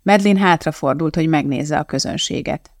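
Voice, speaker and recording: An audiobook narrator reading a novel in an even, measured storytelling manner, recorded close to the mic. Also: medium pitch, no room sound.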